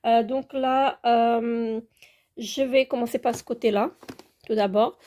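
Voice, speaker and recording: Showing her skincare lineup in a laid-back vlog, a beauty vlogger with a French accent moves around while handling the products. She takes it slowly, her fairly high voice steady and warm, and her speech is hesitant and packed with fillers.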